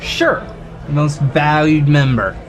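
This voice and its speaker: An actor in a radio drama playing an excitable, flattering crook sidekick who eggs others on. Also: male voice, fairly high pitch, slow. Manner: animated, egging on. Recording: crowd behind the voice.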